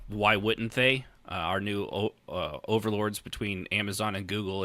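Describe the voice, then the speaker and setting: A man's voice: fairly low pitch, pushed and bright, no room sound. An American man hosting a podcast, chatting casually with wry humor and the odd bit of swearing. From United States. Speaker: podcast host. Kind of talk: casual comedic podcast chat.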